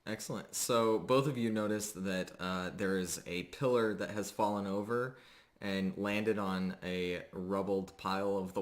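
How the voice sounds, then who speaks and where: Male game master, low voice, slow pace, halting, descriptive, improvised tabletop narration.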